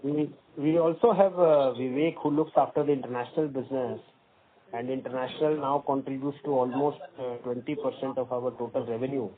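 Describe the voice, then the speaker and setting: A man with an Indian accent speaking as a company executive on a business call, in halting, measured phrases. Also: medium pitch, fairly even intonation. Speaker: company executive answering analysts. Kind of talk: spontaneous business conference call answers. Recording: muffled narrowband phone conference line.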